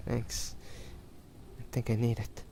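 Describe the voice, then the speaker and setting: A man playing a weary, vulnerable young hunter in an intimate romantic audio drama, speaking haltingly and tenderly, with devotion. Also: medium pitch, vocal fry, warm tone, slight background noise. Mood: sleepy, tender. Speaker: amateur voice actor.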